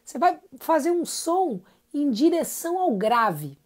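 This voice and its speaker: A woman runs a live-streamed singing lesson, talking in a chatty, encouraging way. She greets viewers by name between explanations. Her speaking voice sits a little high. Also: sing-song, measured pace. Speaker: singing teacher.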